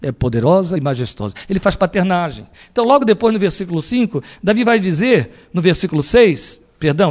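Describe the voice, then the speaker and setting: A male pastor preaching a sermon in an animated way, often asking the congregation rhetorical questions. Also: mid-range voice.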